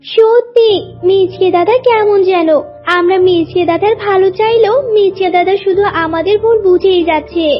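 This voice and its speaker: A woman voicing a small, insistent cartoon animal with a squeaky, childlike delivery. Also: moderate pace. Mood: worried, pleading. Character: small animals: worried mouse, brazen scolding crow. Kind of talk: cartoon voice acting. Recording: dull lo-fi audio, music behind.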